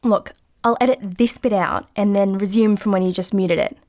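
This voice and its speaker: An actress playing an eager, teasing British podcast co-host in an audio drama, talking informally with a dry wit. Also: female voice, mid-range voice, normal speed, a little mellow, close to an everyday voice. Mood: persuasive. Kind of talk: naturalistic audio drama dialogue, casual banter.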